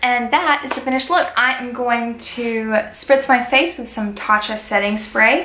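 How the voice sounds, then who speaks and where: A woman at a moderate pace, fairly high-pitched with ordinary pitch variation, amid audible room echo and noticeable background noise. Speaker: beauty vlogger. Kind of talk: makeup tutorial. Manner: stutters; casual, chatty.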